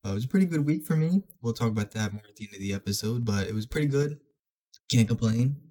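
Young male podcast host, congested nose, mellow dark tone, loose filler-heavy delivery. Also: mid-range voice, animated, quick pace. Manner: casual, many filler words and restarts. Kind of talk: solo self-improvement podcast talk.

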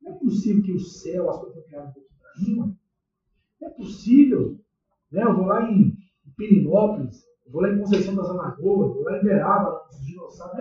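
A Brazilian pastor preaches in a loose, conversational way, tossing questions to the congregation. His voice sits high, and it bounces around a very echoey church. The mic is far off and dull. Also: mellow. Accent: Brazilian Portuguese. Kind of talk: sermon.

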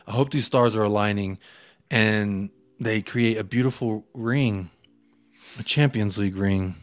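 Male co-host, casual and excitable, talks in slang, close and dry. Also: medium pitch, no echo. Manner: excitable, slangy, acts out quotes. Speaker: podcast co-host. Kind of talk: casual fan chat.

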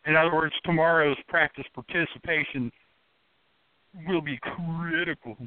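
A man hosting a sports radio panel, firing off quick questions and sarcastic asides. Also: a little high, steady tone, dry recording. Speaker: show host. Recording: dry, phone-like narrow band.

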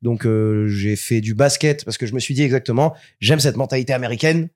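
A man's voice: mid-range voice, brisk, dry recording. Brief: French man in his twenties, chatty guest, tight dry mic, mid-range voice. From France. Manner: animated storyteller, repeats words as he restarts. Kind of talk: casual interview chat.

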